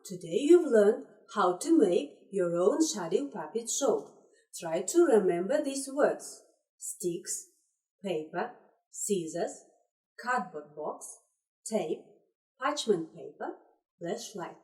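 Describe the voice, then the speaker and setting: Lively woman teacher in an echoey room. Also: medium pitch. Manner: encouraging, repeats instructions slowly in three languages. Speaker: English teacher. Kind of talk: classroom lesson for young pupils. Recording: roomy echo, distant mic.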